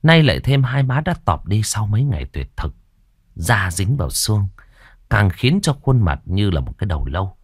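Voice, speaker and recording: Man, horror story narration, dramatic reading, lively intonation, dry close sound. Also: lowish voice, moderate pace, husky, no echo.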